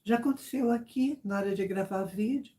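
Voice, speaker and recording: A woman chatting casually with her viewers, telling a story in an animated way with many repeated phrases and asides. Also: mid-range voice, brisk. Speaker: YouTuber chatting with subscribers.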